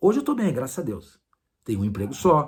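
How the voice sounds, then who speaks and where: The voice is somewhat breathy and very fast. The recording is very clean, with a silent background. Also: man. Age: 60s. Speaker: football pundit. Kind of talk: casual monologue to camera. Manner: animated.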